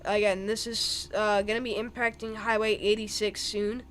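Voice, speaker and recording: A man's voice: high voice, little pitch movement, moderate pace, fairly bright tone, a little hiss or hum. Rambling young man narrating radar live. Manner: rambling, thinking aloud over radar. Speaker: weather streamer. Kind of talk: live-stream weather commentary.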